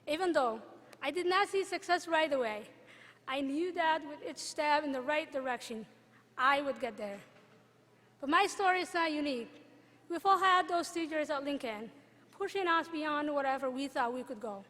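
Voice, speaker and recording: A young woman from Somalia giving a graduation speech as the student commencement speaker, in an earnest, measured way with deliberate pauses. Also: sits high, fairly bright tone. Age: young adult. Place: large hall. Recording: long reverb of a big hall.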